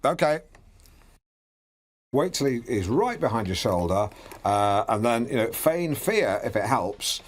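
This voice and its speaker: A man's voice: mid-range voice, sing-song, unhurried, long pauses. An actor playing a self-important, middle-aged male local radio host who rambles awkwardly on air. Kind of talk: local radio show hosting.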